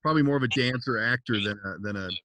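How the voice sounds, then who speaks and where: With a medium-pitched, pushed and bright voice, a man hosts a casual podcast interview at a quick pace. He asks questions easygoingly and agreeably, keeping his responses short, and the recording has no room sound.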